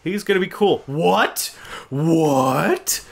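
A man's voice: fairly high pitch, lively intonation, extremely slow, creaky. A man giving casual, exclamatory commentary as he watches game cutscenes. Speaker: video game show host.

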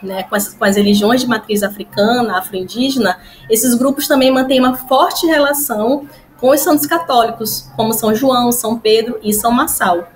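Higher-voiced woman with a lilt. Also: moderate pace, a little hiss or hum. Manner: frequent fillers and tag questions, gestures while explaining. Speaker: historian presenting research. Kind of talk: explanatory talk to camera. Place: small room at home. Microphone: webcam or laptop mic, video call framing.

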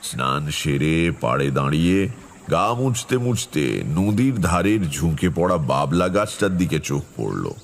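An actor playing a brooding tantrik storyteller, narrating his eerie past in a measured, reflective horror audio drama. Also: extremely low pitch, big pitch swings, slight background noise, heavily acted.

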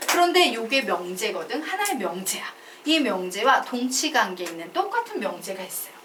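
A woman math teacher lectures in a classroom, her fairly high voice rising and falling with lively inflection as she has students chant definitions back. She sits at a distance from the mic, so the sound is roomy and echoing, with clear background noise. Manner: lively, drills students with call-and-response chanting; mixes casual and polite speech. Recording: echoey classroom, far from mic, noisy.

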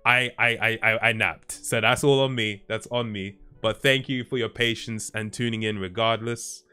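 A man's voice: fairly low pitch, fairly even intonation, moderate pace, pushed and bright, clear, resonant tone. Laid-back young male streamer. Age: young adult. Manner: laid-back, laughs often, chatty with chat. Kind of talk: casual live-stream chat. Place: home streaming room, indoors. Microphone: headset.

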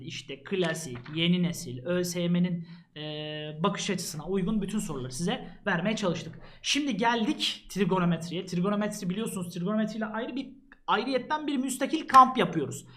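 A man's voice: high voice, a bit bright. A male math teacher talks students through an exam prep book in an earnest, casual way, addressing them directly as he flips through its pages.

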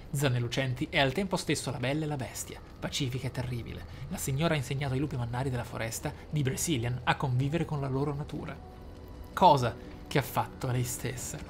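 A man hosting a gaming channel, reading lore aloud expressively and musing on it in asides. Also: medium pitch. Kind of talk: reading game lore aloud with off-the-cuff commentary. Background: game music.

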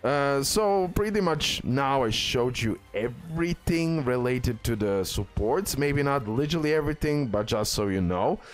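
A man's voice: medium pitch, animated, moderate pace, few pauses. A man giving casual game guide commentary as a video host, leaning on repeated, emphatic phrases. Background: background music.

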